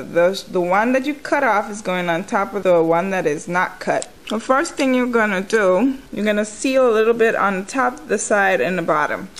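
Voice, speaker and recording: Woman chewing gum through a casual tutorial. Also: medium pitch. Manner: chewing gum while talking; informal, conversational, step-by-step instruction. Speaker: nail technician giving a tutorial. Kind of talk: casual hands-on tutorial talk.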